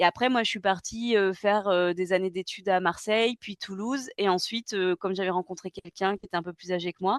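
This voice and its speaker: Recorded with a dry, close sound and no echo, a woman speaks at a fairly quick pace and medium pitch with fairly even intonation. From southern France (Var, near Toulon). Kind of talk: casual interview conversation. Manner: hesitant, many fillers.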